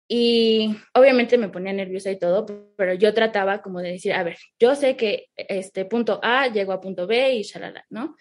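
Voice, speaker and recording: A woman's voice: medium pitch, darkish tone. A woman from Texas speaking as a guest in a casual interview, telling stories with quoted asides and little tag questions. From grew up in McAllen, Texas, United States, with Mexican parents. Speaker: interview guest, online English teacher.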